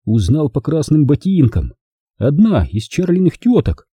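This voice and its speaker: Male audiobook narrator, very lively pitch, husky voice, dry close studio sound. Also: measured pace, dry recording. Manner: lively, expressive storytelling. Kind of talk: scripted narration.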